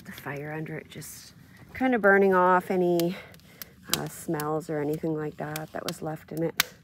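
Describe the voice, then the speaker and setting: A middle-aged woman with a gravelly, fry-laced voice sits low in her range and chats loosely, filling gaps with ums and uhs. Her nose is stuffed up. She holds the camera at arm's length at a lakeside campsite, with faint outdoor noise behind. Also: moderate pace. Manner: chatty, relaxed, lots of ums and uhs. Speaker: solo camping vlogger. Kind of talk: casual vlog narration.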